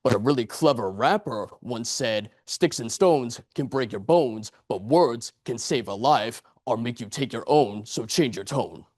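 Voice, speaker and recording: A man's voice: mid-range voice, lively intonation, a little slow, few pauses, a little mellow, no room sound. A man in his late twenties giving a speech to a club audience in a meeting room, earnest and rambling, correcting himself as he goes. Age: 20s. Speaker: club speaker.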